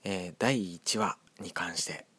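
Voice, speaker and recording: A young man from Hiroshima, the scriptwriter of an audio drama group, reflectively talking through the making of his drama with a soft, hedging manner and a Hiroshima accent. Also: deep voice, takes it slowly, husky. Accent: Hiroshima dialect. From Hiroshima, Japan.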